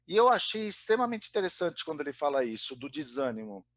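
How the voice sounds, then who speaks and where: A spiritist study speaker in Brazil gives an informal talk in a fairly high, very animated voice, speaking fast with no echo. He hesitates often, using many fillers and restarting his sentences.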